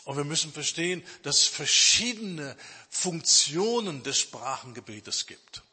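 A man preaching a sermon testimony, emphatic, stretching some phrases out slowly. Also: on the high side, sing-song, sharp tone, husky. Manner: emphatic, with slow drawn-out phrases. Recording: long hall reverb.

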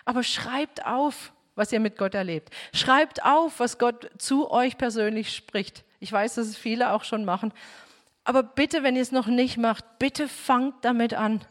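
A woman's voice: on the high side, a little slow, in a large hall. A woman teaching a home bible group, speaking earnestly and addressing her listeners directly.

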